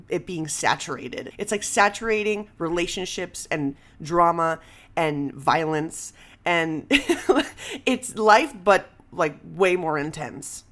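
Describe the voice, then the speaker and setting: Expressive woman hosting a casual podcast. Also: fairly low pitch. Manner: animated, expressive, exclamatory; mixes Spanish phrases into English. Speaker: podcast host and comedy writer.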